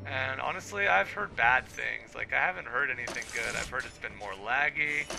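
A man at a medium pitch and moderate pace, with very wide pitch swings and noticeable background noise. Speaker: gaming commentator. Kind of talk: gameplay commentary. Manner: casual, filler-heavy.

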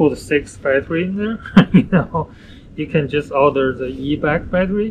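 Noticeable background noise under a man's moderately paced speech. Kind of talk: casual product explanation. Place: garden. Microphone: camera far.

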